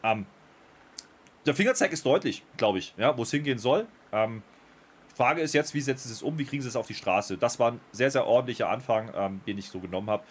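Fast, husky-voiced man reviewing wrestling. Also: mid-range voice, lively intonation. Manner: thoughtful, many fillers and restarts. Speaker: podcast co-host reviewing wrestling. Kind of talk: casual podcast review chat.

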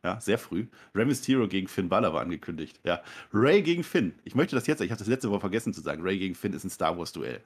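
A man's voice: low-pitched, big pitch swings, fast talker, hardly any pauses, breathy edge. A man hosting a wrestling podcast in casual chat, joking and teasing as he leads the rundown. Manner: joking, teasing, runs the segment.

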